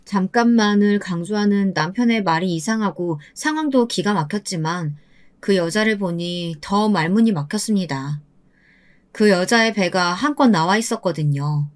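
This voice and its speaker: A woman in her seventies calmly recounting her own hard life in scripted first-person narration. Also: medium pitch, normal speed. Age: 70s. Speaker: storyteller.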